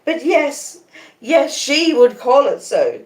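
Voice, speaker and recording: Bitter, wailing old lady, shrill and echoey. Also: sing-song, full character voice. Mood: desperate. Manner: moaning, shrieking, drawn-out repeated pleas. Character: bitter, wounded old lady, wildly melodramatic and possessive. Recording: echoey conservatory.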